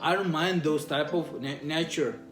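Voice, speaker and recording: A man's voice: a little high, steady tone, moderate pace, a bit bright, roomy sound, faint music behind. A young man, a study abroad student chatting animatedly and laughing often in a casual Q&A. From Indonesia. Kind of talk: casual Q&A chat.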